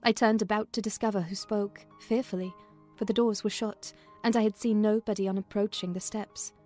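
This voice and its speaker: A woman narrates a classic novel as a housekeeper, in a measured storytelling style. Her voice is mellow and of medium pitch. Soft music plays behind her. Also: fairly even intonation. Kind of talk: dramatized audiobook narration, in character as a housekeeper. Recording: music under the voice.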